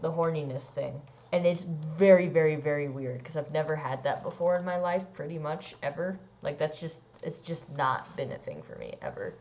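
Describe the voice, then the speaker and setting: A young trans man vlogging a casual personal update, rambling with lots of "like" and "um" and swooping into squeaky high bits. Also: lively intonation, normal speed, few pauses, darkish tone. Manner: rambling, many likes and ums. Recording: dull lo-fi sound.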